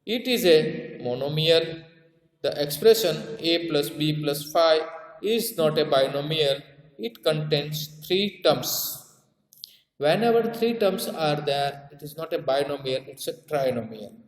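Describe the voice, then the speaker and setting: A man's voice: fairly high pitch, expressive, unhurried. A man with a South Asian accent teaching a maths lesson, repeating key terms and checking understanding with tag questions. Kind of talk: classroom lesson explanation. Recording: echoey room with long reverb.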